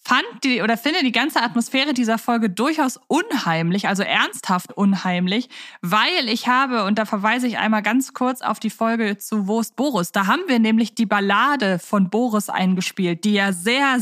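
A woman's voice: on the high side, fairly bright tone, dry recording, studio quality. A woman co-hosting a podcast in a conversational, reflective way, explaining things in detail. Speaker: podcast co-host.

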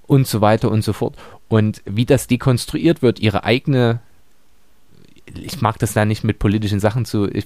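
A man's voice: lowish voice, mellow, no room sound. A man in a casual book discussion, arguing his view as a podcast panelist.

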